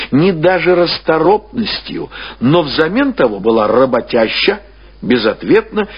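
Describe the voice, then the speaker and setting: A man reading classic prose as a narrator, in an expressive, deliberate storytelling style with drawn-out phrases. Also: fairly high pitch, breathy edge, lo-fi sound. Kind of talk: scripted literary narration, audiobook or radio reading.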